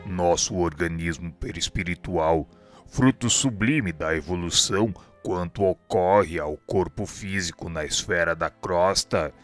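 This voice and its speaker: Radio drama spirit mentor played by a man: Brazilian, deep, crisp-edged bright tone, dignified, formal and instructive. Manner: formal, measured, lecturing. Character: wise, dignified male spirit instructor, solemn and helpful. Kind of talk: solemn didactic radio drama acting.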